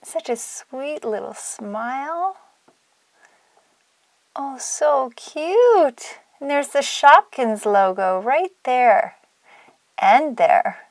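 A woman's voice: sits high, lively intonation, drawn-out words, dry recording. A woman hosting a toy unboxing for children, narrating playfully in a gushing, exclamatory, sing-song way. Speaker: toy unboxing video host.

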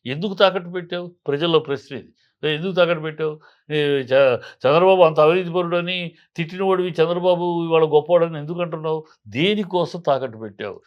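A man argues in a heated political interview, his voice sitting a little high. He hammers home rhetorical questions, repeating them with force. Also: lo-fi sound. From Andhra Pradesh. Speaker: political guest.

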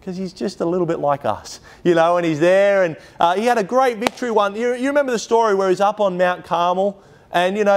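Male preacher, slightly high voice, loose conversational sermon delivery with asides. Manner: conversational storytelling with frequent asides and restarts.

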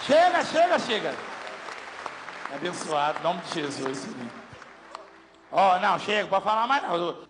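Male pastor, high voice, playful interviewer, large reverberant church. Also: sing-song, crowd noise, noisy background. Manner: teasing, folksy, fast back-and-forth. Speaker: pastor leading a service. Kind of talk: joking church testimony interview. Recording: long hall reverb with music.

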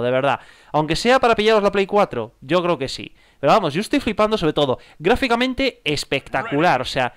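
Excitable man with a Spain Spanish accent. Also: on the high side. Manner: excitable, slangy, repeats himself, laughs often. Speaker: gaming youtuber. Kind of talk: excited gameplay commentary.

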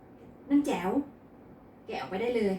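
A woman's voice: measured pace, warm tone, slight background noise, lightly acted. A woman voicing a stern, bossy wealthy matriarch in a read-aloud novel, recorded in an echoey room from a distance. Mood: scolding. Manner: scolding, bossy.

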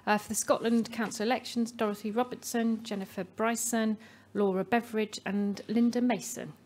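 A woman at a podium reading out election results in a measured, formal way. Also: on the high side, fairly even intonation, a little mellow. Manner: measured, reading names slowly. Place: meeting hall. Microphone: podium microphone.

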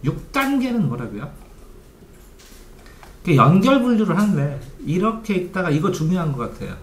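A man's voice: sits high, sing-song, moderate pace. A man teaching a study method in steps, asking his listeners questions and then answering them himself. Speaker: study coach. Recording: echoey room, faint background noise.

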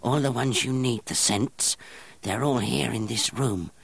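A man voicing a strange young outcast who speaks in a quiet, pinched, rasping snarl. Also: mid-range voice, measured pace, voice pushed up. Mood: hushed eager.

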